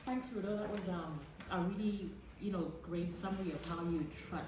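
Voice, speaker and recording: A woman's voice: fairly low pitch, moderate pace. A woman chairing a book festival panel, encouraging and using fillers as she moves things along. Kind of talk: moderating a panel. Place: event hall. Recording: very echoey hall, distant, loud noise.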